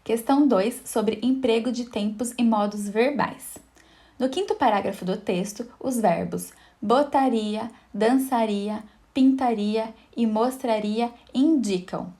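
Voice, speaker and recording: A woman with a Brazilian Portuguese accent teaching an exam-prep video lesson. Her voice sits a little high, and she walks through each point patiently, checking in with the viewer as she goes. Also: warm tone. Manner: friendly, explanatory, checks in with "tá?" and "né?".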